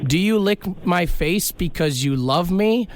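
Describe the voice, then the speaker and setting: A man's voice: sits high, animated, unhurried, slight background noise. A man, hosting a radio show and teasing his guests in casual banter. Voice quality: raspy voice.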